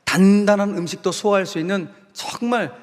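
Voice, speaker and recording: A man's voice: high-pitched, brisk, big-room sound. A male pastor preaching a sermon in a church sanctuary, retelling a story in an earnest, dramatic way.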